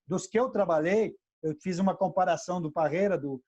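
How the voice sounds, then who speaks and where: Over a muffled, dead-sounding video call, a middle-aged man with a Brazilian Portuguese accent and a fairly high voice chats as a former footballer being interviewed. He stumbles and repeats words as he goes, and tags his remarks with "né?". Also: a little fast, darkish tone, dry recording. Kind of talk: casual interview chat. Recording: dull, dry lo-fi sound.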